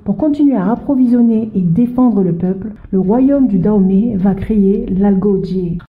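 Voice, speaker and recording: A woman presenting a history explainer, lively and speaking directly to the viewer. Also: medium pitch, normal speed, reverberant, phone-quality sound.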